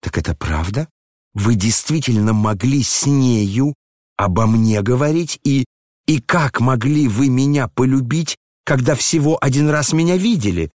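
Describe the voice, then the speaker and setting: A man's voice: medium pitch, animated, measured pace, darkish tone, no room sound, clean studio sound, close to an everyday voice. A man reading an audiobook, voicing an agitated, proud young woman who questions and reproaches urgently.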